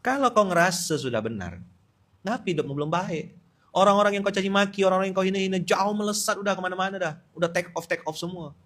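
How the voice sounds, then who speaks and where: Bright-voiced, animated Pontianak Malay preacher. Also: male voice, high-pitched, quick pace. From Indonesia. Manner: lively, teasing, switches between loud outbursts and quiet asides. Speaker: Islamic preacher. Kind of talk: dawn study-circle sermon.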